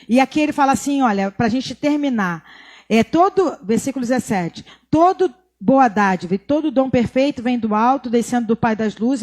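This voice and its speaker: A middle-aged Brazilian woman pastor giving a conversational sermon, with asides and deliberate pauses. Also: a little high, a little mellow. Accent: Brazilian Portuguese.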